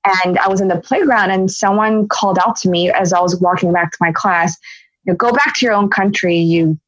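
A woman's voice: lowish voice, a little fast, dry recording, muffled recording. A woman in her forties from Philadelphia, a podcast guest telling her own story in an earnest, reflective way, often restarting her sentences. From Philadelphia, United States. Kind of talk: podcast interview, personal storytelling.

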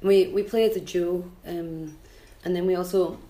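In a low-quality recording, a young Scottish woman who fiddles and sings folk music speaks frankly in a casual interview. Her voice is on the low side at a moderate pace, lively and full of ums.

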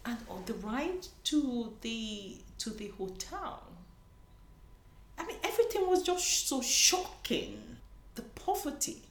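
A woman's voice: fairly high pitch, very animated, takes it slowly. A woman from Nigeria, a conference panelist, talking earnestly in an interview and often restarting her sentences. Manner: earnest, searching, frequent restarts. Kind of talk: conversational interview. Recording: echoey room with faint noise.

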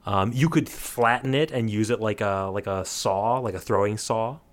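A man's voice: lowish voice, normal speed. Playful man riffing with friends. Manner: playful, riffing, laughs often. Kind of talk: casual comedic chat.

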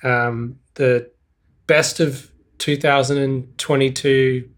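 A man's voice: mid-range voice, little pitch movement, slow. A young man co-hosting a casual podcast chat, wry and self-mocking, laughing often at his own stories. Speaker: podcast co-host.

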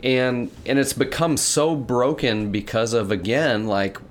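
A man co-hosting a casual faith podcast, telling Bible stories and acting out the quotes with lively energy. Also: medium pitch, measured pace, a little hiss or hum. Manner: animated storyteller, acts out quotes. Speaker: podcast co-host.

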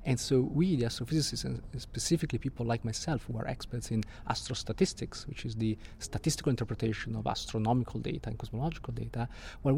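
A man's voice: medium pitch, creaky, darkish tone, a little hiss or hum. A middle-aged man from Switzerland, answering interview questions as a guest astrophysicist and often repeating words as he restarts.

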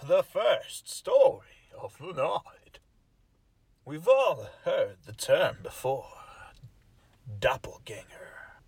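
Husky, theatrical man hosting horror stories. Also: a little high, dry recording. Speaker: host of a horror story show. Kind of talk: playful spooky scripted hosting. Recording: faint music behind.

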